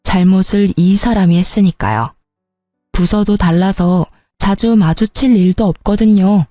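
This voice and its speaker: A woman narrates her own story in a mellow, warm tone, with an indignant, scolding edge. Her voice sounds dry and close to the mic, with faint music playing behind. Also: mid-range voice, unhurried, no echo. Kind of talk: first-person story narration.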